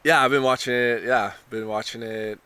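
A young man talking in a relaxed surfer way, full of "you know" and "like", in a casual interview. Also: medium pitch, normal speed, clean tone. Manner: laid-back surfer talk, lots of "you know" and "like". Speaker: contestant being interviewed.

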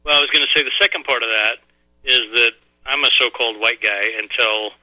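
A man in his forties calls in to a radio talk show. His tone is very bright and forceful, and he speaks earnestly with some halting. The sound is dry and close. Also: medium pitch, no room sound, rough recording. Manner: earnest, rambling, a little halting. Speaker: caller. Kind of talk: phone-in call to a radio show.

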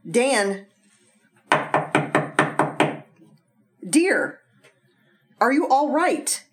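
An actress playing an attentive, concerned wife in an old-time radio drama, polite and solicitous. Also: female voice, fairly high pitch, big pitch swings, extremely slow, heavy background noise, exaggerated voice. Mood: searching, calling.

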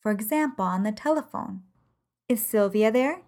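A woman teaching a language lesson podcast, reading example sentences in measured, carefully enunciated phrases. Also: medium pitch, animated, a little mellow. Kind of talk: slow, clear podcast lesson.

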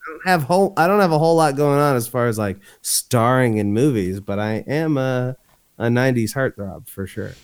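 A man's voice: mid-range voice, normal speed, smooth. A young man co-hosting a podcast in casual chat, swearing freely and laughing often. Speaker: podcast co-host.

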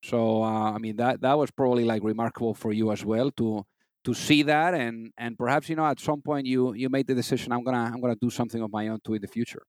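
A man's voice: medium pitch, fairly even intonation, fast, darkish tone, dry recording. A man hosting an interview podcast, chatty and informal, with plenty of "you know" fillers. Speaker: podcast host.

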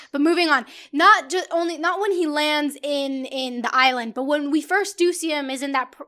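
A woman with a high, bright voice talks through a film in loose, opinionated podcast chat. She gets animated, trails off mid-thought and restarts often. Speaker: podcast co-host. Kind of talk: casual film discussion.

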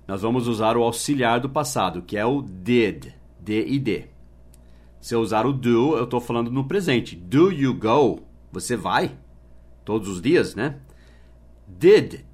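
A man hosting a casual podcast lesson, patiently explaining and spelling words out letter by letter. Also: fairly low pitch. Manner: slows down to model English phrases, adds tag questions. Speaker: English teacher and podcast host.

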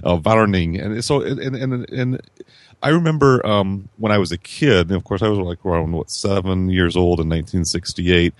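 Rambling deep-voiced man in his fifties. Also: moderate pace, no room sound. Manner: rambling, with many restarts and repeated words. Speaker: podcast guest. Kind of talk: casual film discussion.

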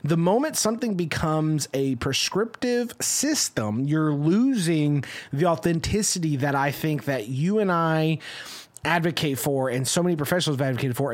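A man with a somewhat high voice co-hosting a podcast. He argues his points with animation and keeps checking in with tag questions. The tone stays casual and conversational throughout. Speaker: podcast co-host.

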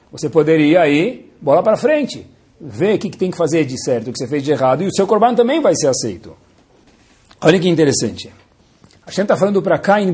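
A rabbi teaches a Torah lesson with playful theatrics. His voice is somewhat high and husky, and his pitch leaps around animatedly. He slips Hebrew terms into his talk as he goes. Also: a little mellow.

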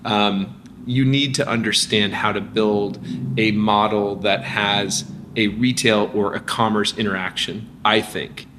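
This founder, a man with a lowish voice, talks somewhat slowly as a guest in an easygoing business interview, against a noisy background. He sounds energetic, restarting often and using many fillers.

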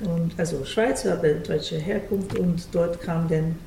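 A Russian-native woman from Canada, older, explaining patiently in a radio interview and often pausing to search for words. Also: on the low side, gravelly, dark tone, a little hiss or hum. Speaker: ballet school director. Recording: distant, roomy, faint ambience.

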